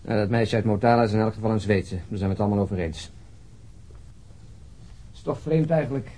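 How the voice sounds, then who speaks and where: Man playing sardonic detective, quick delivery, dark husky voice, grumbling, world-weary, radio drama. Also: lowish voice, close to an everyday voice. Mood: troubled.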